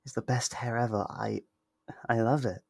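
A man's voice: medium pitch, steady tone, gravelly, no echo, clean studio sound. A man playing a sweet, possessive yandere lover in an intimate ASMR roleplay, tender and reassuring. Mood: affectionate, doting. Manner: tender, reassuring, slow and deliberate.

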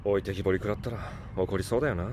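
A man's voice: sits low, fairly even intonation, rapid-fire, a little hiss or hum, close to an everyday voice. An actor playing a casual, slangy young male spaceship crewman in an audio drama. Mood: wry. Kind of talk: Japanese audio drama acting. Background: loud background music.

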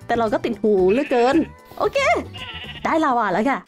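A young woman hosts a gaming channel, talking through her Minecraft gameplay over music, exclaiming often and referring to herself by name. Her voice is a little high, and she speaks at a moderate pace.

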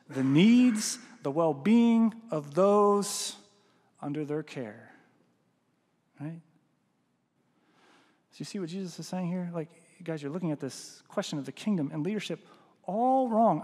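A man in his thirties, a pastor, preaching a sermon on a headset mic, animated and often asking "right?". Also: sits high. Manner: animated, gestures broadly, often adds "right?". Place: church hall, indoors, large room. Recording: long hall reverb.

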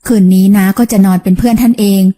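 A woman's voice: mid-range voice, steady tone, rapid-fire, dark tone, natural voice. A woman voicing an older, devoted household maid who speaks politely and coaxingly to the family, in an audiobook. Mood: reassuring. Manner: polite, coaxing, servant's deference.

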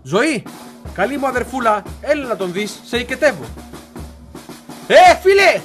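An actor playing a lonely, childlike young man who moves from hushed confiding to shrill shouting in a stage play for radio. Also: expressive, soft background music. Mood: excited.

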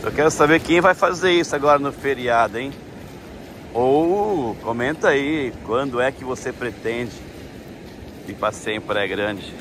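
A Brazilian man talks at an easy middle pitch, chatting to his viewers while he films at the edge of the sea. Wind and breaking surf hiss clearly under his voice on the camera mic. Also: unhurried. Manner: chatty, coaxing viewers to like and share. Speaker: tour guide vlogger. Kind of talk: casual vlog talking to viewers. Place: outdoors on a windy beach at the water's edge. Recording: outdoor wind and surf noise. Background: waves and wind.

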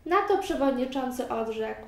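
A woman narrating a story in a steady, even reading voice. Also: sits high, normal speed, gravelly. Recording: very echoey room, far from mic.

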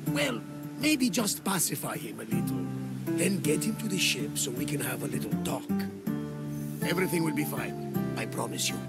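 A gravelly old sea captain. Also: male voice, a little high, big pitch swings, moderate pace. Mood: genial, coaxing. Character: weathered older male Greek ship captain, genial and wily. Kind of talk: video game character dialogue. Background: game music, boat and sea sounds.

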